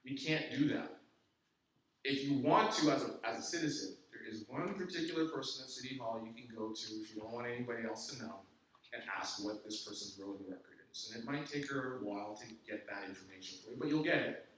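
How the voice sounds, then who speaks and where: A man's voice: medium pitch, quick pace, fairly bright tone, a little hiss or hum. A man speaking as guest at a civic meetup, emphatic and direct, often checking in with "okay?" as he answers audience questions. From Canada. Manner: emphatic, peppered with "okay?" and "I can tell you". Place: large echoey meeting room. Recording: echoey room from a distance.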